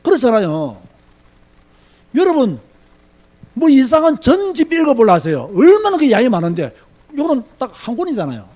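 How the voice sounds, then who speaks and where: High-voiced emphatic male preacher. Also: huge pitch swings, normal speed, long pauses, dark tone. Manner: emphatic, asks rhetorical questions and repeats himself. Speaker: pastor. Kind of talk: sermon-style Bible lecture.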